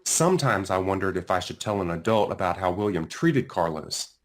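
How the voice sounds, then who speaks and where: A man reading his own children's book aloud in an expressive storytelling style, with dramatic pauses and drawn-out phrases. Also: low voice. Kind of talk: animated children's read-aloud narration.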